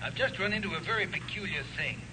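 An earnest family doctor, with a middling-to-high voice and a measured delivery. It is 1940s radio drama with audible noise on the recording. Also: male voice, expressive. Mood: concerned.

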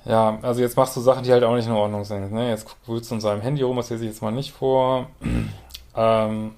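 Blunt man with a gravelly voice. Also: mid-range voice, flat delivery, brisk, darkish tone. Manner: blunt and direct, often ends with a questioning "ne?". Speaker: couples therapist and podcast host. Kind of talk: reading out and commenting on a listener's letter.

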